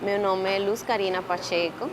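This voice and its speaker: A Venezuelan woman in her twenties with a Venezuelan Spanish accent, speaking Portuguese as a second language and telling her own story with pauses as she searches for words. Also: medium pitch, fairly even intonation, loud music behind the voice. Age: 20s. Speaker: interviewee. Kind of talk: casual personal account.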